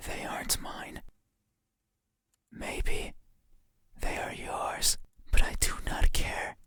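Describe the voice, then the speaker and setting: Slow whispering demon, acted out by a performer. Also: pushed and bright. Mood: eerie, intimate. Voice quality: breathy unvoiced whisper. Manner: slow, deliberate, intimate, insistent. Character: menacing, pleading demon in a horror visual novel. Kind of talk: whispered ASMR-style game voice acting.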